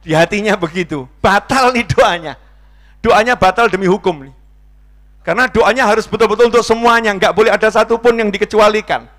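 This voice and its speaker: A man preaching a sermon to a mosque congregation, jumping between loud raised exclamations and soft, low asides, with playful jokes for the listeners. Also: a little fast.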